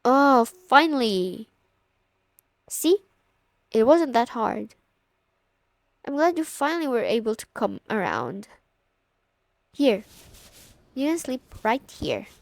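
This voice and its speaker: A woman's voice: on the high side, very animated, takes it slowly, gravelly, long pauses, no echo, studio quality, exaggerated voice. A young woman playing a confident, teasing older sister of a best friend in an intimate, casual ASMR roleplay spoken to the listener. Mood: pleased, teasing.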